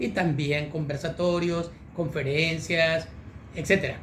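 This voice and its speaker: Audible room echo surrounds a man's voice. He speaks fairly slowly at a fairly high pitch, with fairly even intonation. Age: 60s. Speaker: teacher and foundation founder. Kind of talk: interview. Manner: hesitant, many fillers.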